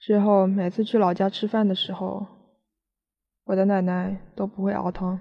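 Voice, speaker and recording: Dark and mellow in tone, the somewhat breathy voice moves at a moderate pace with monotone, flat intonation and long, frequent pauses. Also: woman, medium pitch for a woman. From Taizhou, Zhejiang, China. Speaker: university student telling her story. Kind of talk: personal testimony.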